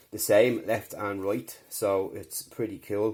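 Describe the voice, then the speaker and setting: A man with an Irish accent speaks at a fairly slow pace in a fairly low pitch. His tone is dark and mellow, and his intonation fairly even. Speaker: tech reviewer. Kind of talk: casual talk to camera.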